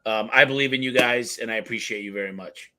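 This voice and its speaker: A man in his late thirties hosting a casual podcast interview, talking in an energetic, rambling, self-deprecating way with casual slang. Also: medium pitch, fast. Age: 30s. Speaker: podcast host.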